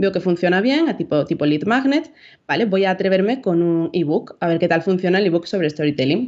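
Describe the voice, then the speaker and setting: This woman has lively intonation. Her voice is medium-pitched. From Spain, Seville (Andalusia). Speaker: marketing consultant. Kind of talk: interview. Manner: hesitant, many fillers.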